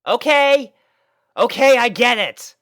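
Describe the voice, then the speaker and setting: A man doing a brash tomboy pegasus in falsetto. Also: animated, slow pace, no echo, clean studio sound, heavily acted. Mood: dry. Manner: high strained falsetto, loud and brash. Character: brash tomboyish female pegasus pony, cocky.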